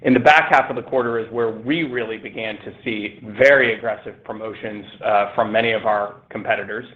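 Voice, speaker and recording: Halting male executive on a phone line. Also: on the low side, fairly even intonation. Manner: halting, measured corporate delivery. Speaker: company executive answering analysts. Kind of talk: earnings call answers, business talk. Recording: muffled phone-line conference call.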